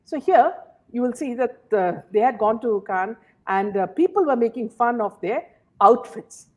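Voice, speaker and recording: A woman's voice: fairly high pitch, expressive, normal speed, muffled recording. A woman hosting a casual commentary talk, filling her sentences with "uh" and "you know". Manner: many fillers and "you know"s. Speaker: host.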